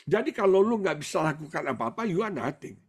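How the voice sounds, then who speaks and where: A middle-aged man preaching a sermon in a somewhat high, husky voice. His intonation rises and falls very expressively. He speaks casually and often slips in English words. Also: a little fast. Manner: animated and colloquial, mixes in English words. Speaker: pastor.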